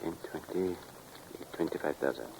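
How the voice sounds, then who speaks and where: An actor with a French accent playing a polite, wary jewel buyer in a 1940s radio drama, speaking in formal, stilted phrases. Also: male voice, a bass voice, moderate pace, creaky, background noise. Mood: businesslike, guarded.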